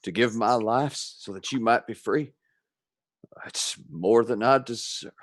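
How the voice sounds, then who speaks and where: A man's voice: medium pitch, a little slow, no room sound, natural voice. A man playing a brave, devoted vampire hunter in a radio play, impassioned and emotional. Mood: dying, tender. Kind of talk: theatrical radio play acting.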